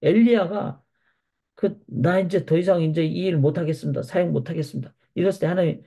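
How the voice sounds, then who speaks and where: A man's voice: on the high side, brisk, mellow, slightly rough. A male pastor giving a Bible study lecture, reading scripture passages aloud and then explaining them. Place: church.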